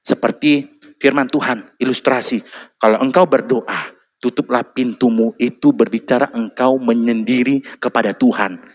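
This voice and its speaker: A man preaching a lively sermon, exhorting the congregation and calling for amens. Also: medium pitch, moderate pace. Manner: animated, exhorting, calls for amen.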